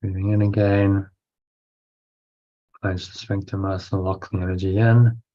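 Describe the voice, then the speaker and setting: A man leading a guided breathing meditation as a teacher, giving instructions in short phrases with pauses and reading out affirmations. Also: low-pitched, level tone. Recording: dull, lo-fi sound.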